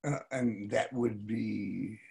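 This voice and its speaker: An older man playing a wary, reflective novelist in a staged reading, speaking deliberately with some hesitation. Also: lowish voice, steady tone, vocal fry, a little mellow. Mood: guarded. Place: home study, video call.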